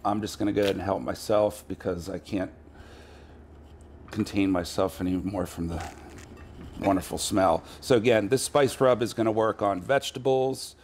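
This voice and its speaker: Middle-aged man, chef, low voice, relaxed, filler-heavy, pub bar indoors. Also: normal speed, slight background noise. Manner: relaxed, many ums and uhs. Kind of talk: casual cooking demo.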